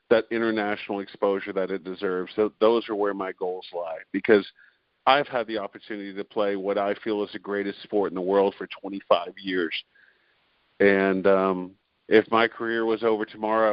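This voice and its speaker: A man's voice: fairly low pitch, no echo, lo-fi sound. A man in his forties, talking earnestly as a podcast guest, with frequent restarts and fillers. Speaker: guest, beep baseball player and league president. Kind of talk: podcast interview, conversational.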